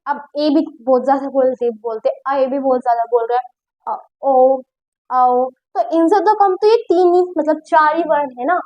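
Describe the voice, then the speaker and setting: Bright high-voiced woman teaching grammar. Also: dull audio. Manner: patient, repeats points and checks understanding. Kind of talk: classroom-style lesson explaining at a board.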